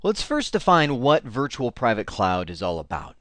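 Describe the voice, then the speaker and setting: Animated, rambling male IT instructor. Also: mid-range voice, normal speed, dry recording. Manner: animated, rambling, frequent fillers and restarts. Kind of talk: casual tech lesson.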